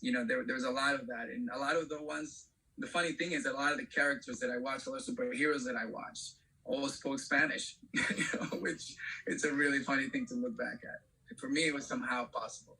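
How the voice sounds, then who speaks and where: A middle-aged man from Venezuela, an actor speaking as a panel guest in a halting way, with many fillers. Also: medium pitch, steady tone, pushed and bright, slightly rough, poor audio. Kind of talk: panel discussion.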